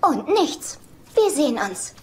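Eccentric young sitcom woman: sweet, eerily calm, raised pitch. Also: slow, heavily acted. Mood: sweetly composed. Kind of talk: dubbed sitcom dialogue. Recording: noisy sitcom soundtrack.

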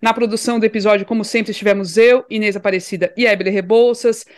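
A woman co-hosting a podcast, chatting casually and sending warm shout-outs. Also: mid-range voice, steady tone, fast talker. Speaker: podcast co-host.

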